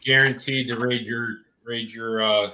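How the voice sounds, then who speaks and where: A man's voice: medium pitch, steady tone, measured pace, crowd noise. A man, chatting casually as a guest on a video call. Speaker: livestream guest. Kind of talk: casual chat. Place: small room indoors. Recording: muffled video-call audio.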